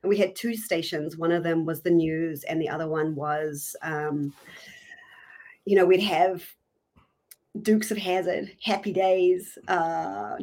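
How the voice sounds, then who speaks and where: A woman in her forties from New Zealand with a New Zealand accent, a podcast guest chatting casually, quick to poke fun at herself and laugh. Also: fairly low pitch. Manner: chatty and self-deprecating, laughs often. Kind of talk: casual interview chat.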